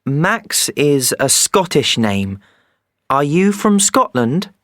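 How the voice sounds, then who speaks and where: Brief: low woman's voice with lively pitch, very slow deliberate textbook delivery, dry sound. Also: no echo. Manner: slow, lilting, clearly articulated speech. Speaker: textbook audio interviewer. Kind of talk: scripted textbook dialogue.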